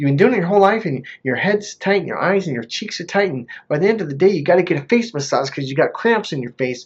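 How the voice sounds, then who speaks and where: A man's strained, put-on character voice, high-pitched and very fast, with lively intonation and hardly any pauses. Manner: tense, constricted.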